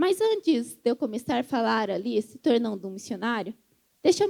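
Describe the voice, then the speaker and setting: A woman's high voice with a dark, mellow tone, lively intonation and a moderate pace. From Brazil, interior of São Paulo state. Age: 20s. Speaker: pastor and psychologist. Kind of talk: sermon. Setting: church. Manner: animated.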